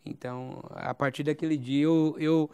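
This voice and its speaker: Smooth-voiced Brazilian pastor in his forties. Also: a little high, steady tone, darkish tone. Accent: Brazilian Portuguese, Goiás. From Brazil, Goiás. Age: 40s. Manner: halting, repeats phrases, adds "né?", laughs easily. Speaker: pastor, interview guest. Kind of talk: recounting a personal testimony.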